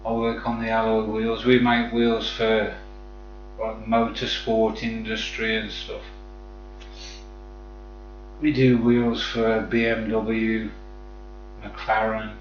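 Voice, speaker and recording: A man with a Black Country accent talks at an unhurried pace in casual, friendly livestream chat. He addresses viewers like mates. The sound is dull and roomy, with faint music behind him. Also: fairly low pitch, level tone. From West Midlands, England. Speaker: live streamer chatting with viewers.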